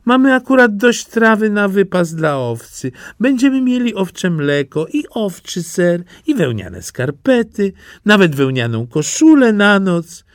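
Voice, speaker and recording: A man's voice: high voice, big pitch swings, unhurried, few pauses, dry recording, clean studio sound, voice pushed up. A man voicing a doting, cheerful old farm wife who gushes with delight, in a storybook reading. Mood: gushing delight. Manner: gushing, delighted.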